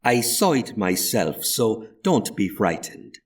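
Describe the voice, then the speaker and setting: A man voicing a slender, enigmatic young man who speaks slowly and softly with a vague foreign accent. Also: fairly low pitch, very animated, recorded from a distance, heavily acted. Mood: hushed, enigmatic.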